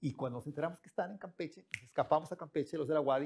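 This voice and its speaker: A man against a quiet background. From Yucatán, southeast Mexico. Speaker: dentist and archaeologist, lecturer; lecturer. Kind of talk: lecture. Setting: university lecture hall with audience. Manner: halting, many repeated fillers. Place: hall.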